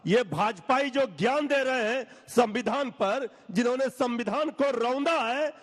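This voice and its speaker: A man arguing as a party spokesman in a TV debate, forceful and rhetorical, rising at times to shouting. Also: very high voice, unhurried, in a large hall. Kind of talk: heated political debate.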